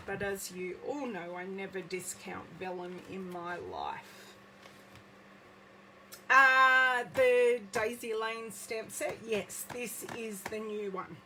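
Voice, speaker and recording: An Australian woman with a slight croak in her voice, chatting casually with viewers during a live craft demonstration at home. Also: mid-range voice, background noise. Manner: chatty, greets viewers by name. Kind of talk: casual live-stream craft demo chat. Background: movie playing in background.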